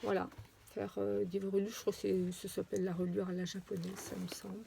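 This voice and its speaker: Chatty woman with a gravelly voice. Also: mid-range voice, flat delivery, dark tone, slight background noise. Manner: chatty, many pauses and fillers. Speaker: crafting vlogger. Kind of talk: casual unboxing chat.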